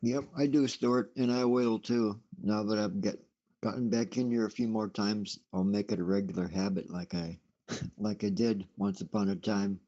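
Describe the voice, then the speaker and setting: A man with a dark, relaxed voice chats casually on a radio show. His pitch is fairly low, and the app audio is a little dull. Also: normal speed.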